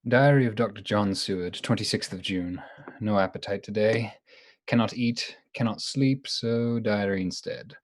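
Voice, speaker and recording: Man playing a melancholy, lovesick gentleman doctor. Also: on the low side, moderate pace, lightly acted. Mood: gloomy. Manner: earnest, hesitant, formal. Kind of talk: radio play acting.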